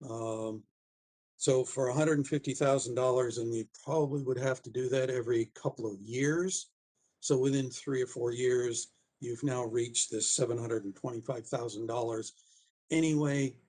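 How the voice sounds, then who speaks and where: A man of average pitch speaks up at a town meeting. His intonation stays flat, and he builds his argument haltingly, thinking aloud as he goes. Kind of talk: formal public comment, unscripted argument.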